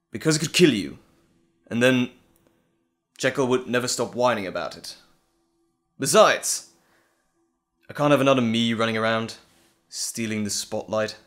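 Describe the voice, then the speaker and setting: A man playing a menacing, teasing monstrous alter ego in a dramatic audio roleplay, theatrical and mocking, drawling with dramatic pauses. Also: mid-range voice. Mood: alarmed, commanding.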